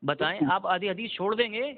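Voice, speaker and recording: Mufti arguing with a caller, high male voice, insistent and lecturing, tinny phone line. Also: animated. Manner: insistent, lecturing, repeats himself. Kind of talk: heated religious phone debate.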